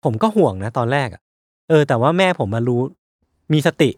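A man with an ordinary mid-range voice chats casually on a podcast. He tells his anecdotes in a relaxed, joking way. The recording is dry and close. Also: mid-range voice, moderate pace, husky, no echo. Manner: relaxed, jokey, teasing. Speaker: podcast co-host. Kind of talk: casual chat.

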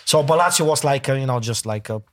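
A man's voice: medium pitch, quick pace. A man talking hesitantly in a casual chat, with many fillers and non-native phrasing.

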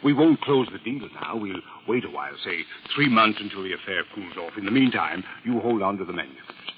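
An actor playing a fussy, genteel, cautious crooked dealer in a 1940s radio drama, with a hesitant, oily, polite manner. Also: male voice, lowish voice, lively intonation, a little fast. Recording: dull, noisy old radio recording.

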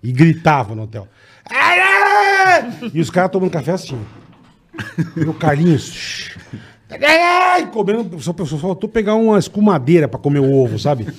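A man with a Brazilian accent telling a wild party story in casual chat, animated and profane. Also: on the high side, fairly quick, slightly rough. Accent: Brazilian Portuguese.

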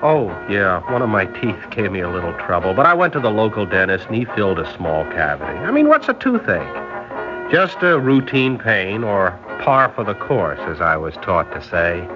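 A brash young spy, lo-fi. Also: male voice, fairly low pitch, very animated, normal speed, over music. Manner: brash, slangy, wisecracking. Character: cocky young male spy posing as American. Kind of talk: 1960s radio drama acting. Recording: dull lo-fi old radio recording.

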